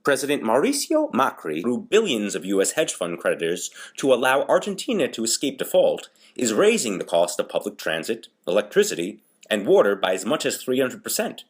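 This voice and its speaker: Husky, lively man reading news briefs. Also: medium pitch, fairly quick, hardly any pauses. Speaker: voice-over artist reading news briefs for an audition. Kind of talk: scripted news narration.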